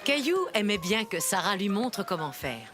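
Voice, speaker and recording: A woman playing a kindly older grandmother who narrates children's stories in a gentle, expressive cartoon style. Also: medium pitch, normal speed, music in the background, close to an everyday voice. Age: older character. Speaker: storyteller. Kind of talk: scripted children's story narration.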